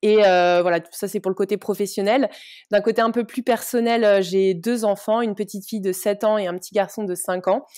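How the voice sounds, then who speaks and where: Friendly woman, halting with fillers. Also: medium pitch, steady tone, dark tone, no room sound, clean studio sound. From Paris region, France. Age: 30s. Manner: friendly, hesitant with many fillers. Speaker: guest, sports coach. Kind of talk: casual interview talk.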